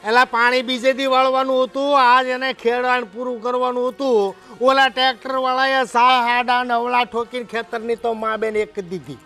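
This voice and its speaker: An actor plays a loud Kathiyawadi village farmer with a very high, bright voice. He berates his wife in a shouting, scolding way, always hot-tempered, as in a village family drama. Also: little pitch movement, normal speed, soft background music, full character voice. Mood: angry. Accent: Kathiyawadi Gujarati. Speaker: husband and farmer.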